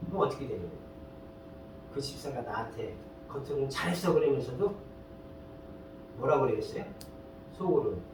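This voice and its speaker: A man preaches in a large church hall, his fairly high voice bouncing around the room from some distance off the mic. He talks in a loose, storytelling way and keeps throwing questions at the congregation. A faint rumble hums underneath. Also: expressive, moderate pace, pauses often. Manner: fires rhetorical questions and prods listeners with "eh?". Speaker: pastor. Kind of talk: sermon.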